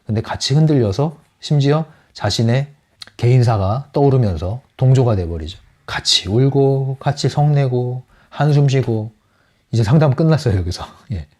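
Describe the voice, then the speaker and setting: A man's voice: medium pitch, lively intonation, moderate pace, darkish tone. A man giving a lecture on a book as a psychology counselor, often asking his audience rhetorical questions. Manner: asks the audience rhetorical questions, acts out quotes.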